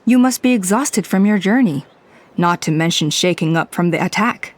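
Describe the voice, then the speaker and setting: An actress playing a composed, businesslike tribal elder in a video game, with an authoritative manner. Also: female voice, on the low side, expressive, moderate pace, slight background noise, close to an everyday voice.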